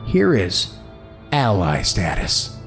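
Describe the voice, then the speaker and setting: A man's voice: low voice, wildly swooping pitch, takes it slowly, vocal fry. A man hosting a horror podcast, reading a scripted introduction in a theatrical, dramatic way. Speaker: podcast host and announcer. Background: music.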